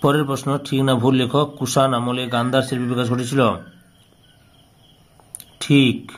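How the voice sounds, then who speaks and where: A man's voice: medium pitch, level tone, normal speed, a little hiss or hum. A man teaching by reading out questions and answers, repeating phrases as if dictating. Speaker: history teacher solving an exam paper.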